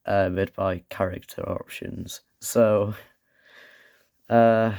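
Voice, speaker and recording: A man reviewing a toy with a croaky voice from a cold, rambling and dropping sarcastic asides. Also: lowish voice, warm tone, no room sound, studio quality. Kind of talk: casual product review.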